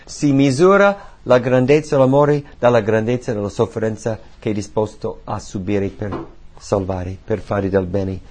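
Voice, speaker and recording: Gravelly, husky man preaching a sermon. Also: lowish voice. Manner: emphatic, repeating key phrases, swinging between soft and loud.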